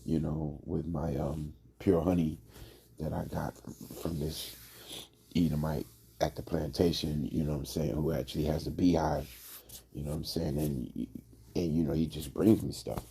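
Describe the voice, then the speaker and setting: A man giving an informal religious lesson, hoarse from a cold, talking in a drawl with many fillers. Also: very deep voice, flat delivery, moderate pace, mellow. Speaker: religious teacher.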